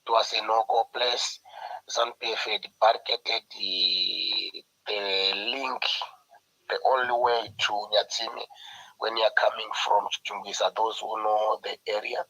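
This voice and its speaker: A man from Zimbabwe, hoarse with a flu, speaking as a journalist on a video call panel. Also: lowish voice, little pitch movement, slow, bright, forceful tone, lo-fi sound. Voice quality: husky, gravelly. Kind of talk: online panel discussion.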